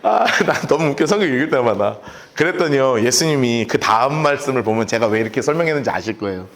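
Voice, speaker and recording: A man's voice: medium pitch, lively intonation, quick pace. A male pastor preaching a sermon and telling stories with playful acted voices. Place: church hall. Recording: echoey church hall.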